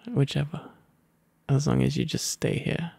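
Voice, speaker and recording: A man with a British RP accent reading a storybook aloud and chatting as an ASMR boyfriend, drowsy, soft and playful, slipping into gentle whispers. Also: on the high side, fairly even intonation, moderate pace, gravelly, husky, no room sound. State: sleepy and overfull.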